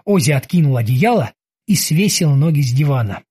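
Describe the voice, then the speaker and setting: A man with a husky voice reading an audiobook as an animated storyteller. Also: on the high side, brisk. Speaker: narrator. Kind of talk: audiobook narration.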